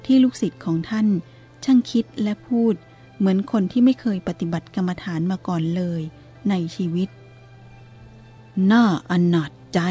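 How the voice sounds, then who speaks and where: Warm breathy woman narrating a story. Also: mid-range voice. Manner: calm, measured reading. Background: faint music.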